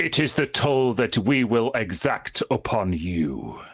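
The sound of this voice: A booming, put-on character voice from a man, fairly slow, very even in loudness, with very wide pitch swings. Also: medium pitch for a man.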